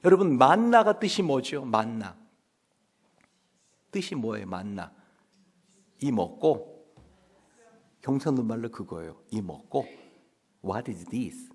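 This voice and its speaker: Animated pastor preaching. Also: male voice, takes it slowly, long pauses, husky. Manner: animated, acts out quails and children in high voices; asks the congregation questions constantly. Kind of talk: dawn revival sermon. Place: church sanctuary.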